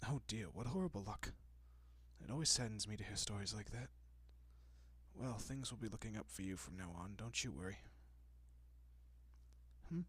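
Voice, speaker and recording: In an intimate audio roleplay, a man voices a courteous vampire gentleman, his low, husky tone soft and breathy and often sinking into whispers, recorded very dry. At a moderate pace with long pauses, he is gentle and reassuring, soothing with polite, old-fashioned tenderness and a quietly possessive air.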